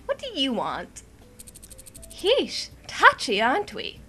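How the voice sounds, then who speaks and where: A woman voicing a sarcastic male moose with a high, British-accented voice. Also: wildly swooping pitch, slow pace, bright, forceful tone, faint music behind, exaggerated voice. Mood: snide.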